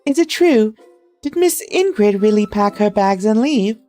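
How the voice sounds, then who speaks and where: A woman voicing an excitable young maid who chatters eagerly about household gossip. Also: medium pitch, measured pace, faint music behind, pitched above the performer's own voice, close to an everyday voice. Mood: gossipy.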